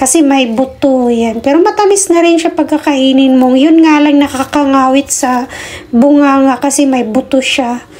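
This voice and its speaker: Against noticeable background noise, a woman talks at a moderate pace in a high pitch, with ordinary pitch variation and very even loudness. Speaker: vlogger, housewife. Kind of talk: casual vlog narration.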